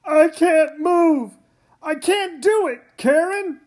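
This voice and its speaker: A woman voicing an earnest father in a comic read-aloud, with her voice lowered. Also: slow, a little mellow. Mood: desperate. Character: adult father, easygoing then desperate.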